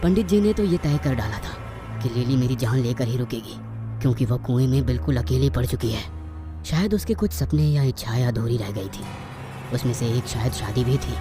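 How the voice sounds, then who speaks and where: Lively male horror storyteller over loud music. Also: mid-range voice. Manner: dramatic. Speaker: story narrator. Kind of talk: scripted first-person horror story narration.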